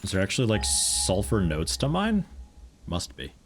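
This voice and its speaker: Young American man, lowish voice, mixed accent, rambling casual stream chat, faint music behind. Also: wildly swooping pitch, moderate pace. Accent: mixed American with picked-up European mannerisms. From United States. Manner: rambling, chatty, self-interrupting, amused. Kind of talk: casual live-stream chat while playing.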